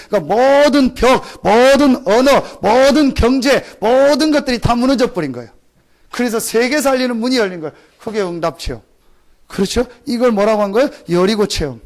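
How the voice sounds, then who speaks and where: A man preaching a Sunday sermon as pastor, firing questions at the congregation and answering them himself. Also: extremely high pitch. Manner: call-and-response questions to the congregation; acts out short exclamations in a mock rural voice. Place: church sanctuary.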